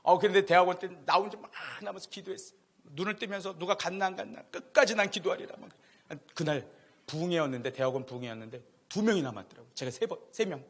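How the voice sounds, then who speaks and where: Middle-aged pastor guy preaching, loud voice, kinda husky, high and lively, jumps from big shouts to quiet bits. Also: fast talker. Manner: animated, swings from loud to hushed, laughing at himself. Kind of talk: sermon with personal storytelling. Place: church sanctuary.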